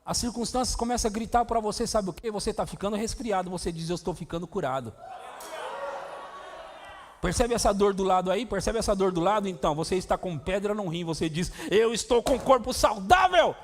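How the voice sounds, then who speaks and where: A pastor preaching an impassioned sermon, swinging between loud shouts and low, intense passages. His voice is very high for a man. Every word rings out with the long echo of a church hall. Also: fairly even intonation, fast talker, hardly any pauses, a little hiss or hum.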